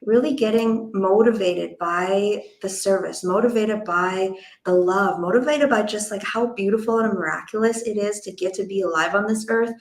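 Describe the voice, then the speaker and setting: In a roomy, echoing recording, a woman with a medium-pitched voice hosts a spiritual conversation. She talks casually and gushingly, leaning on "like" and "you know" as she goes. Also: normal speed. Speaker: interview host.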